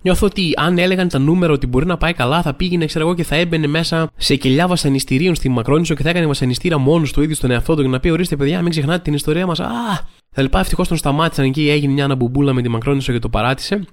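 A man hosting a casual, comedic solo podcast, talking in a rambling way full of fillers and restarts. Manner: acts out quoted people with sudden pitch jumps. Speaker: podcast host.

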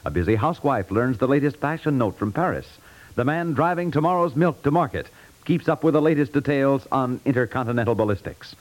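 A male network announcer delivers scripted copy in 1950s radio style. His mid-pitched voice rises and falls widely, with formal, declamatory phrasing. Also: animated, brisk, poor audio.

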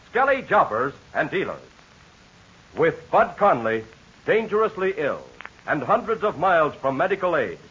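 A man with an American accent announcing in an old 1940s radio style, pitching enthusiastically to young listeners like a salesman. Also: fairly bright tone, breathy edge. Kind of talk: old-time 1940s radio announcer, serial outro and ad read. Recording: dull, lo-fi vintage radio transcription.

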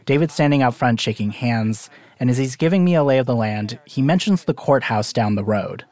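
A man's voice: mid-range voice, animated, fairly quick, darkish tone. A man hosting and reporting a podcast, narrating a documentary story in a conversational, lightly self-deprecating way.

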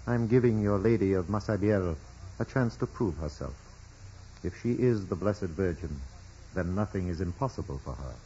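An actor playing a shrewd, stern Catholic bishop with measured, pompous, emphatic delivery in 1940s radio drama style. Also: male voice, sits low, lively intonation, mellow, slight background noise. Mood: shrewd, imperious. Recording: muffled vintage radio broadcast recording.

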